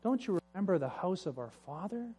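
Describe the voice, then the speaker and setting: A man voicing a patient, gentle eldest brother who speaks softly and firmly. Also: high voice, very animated, fairly quick, husky, full character voice. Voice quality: soft, patient.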